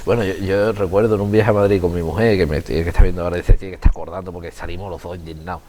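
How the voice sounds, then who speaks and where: Lively Andalusian man, low voice. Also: rapid-fire, a little hiss or hum. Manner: lively, laughs often, mimics others. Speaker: host. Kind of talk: casual chat on local TV.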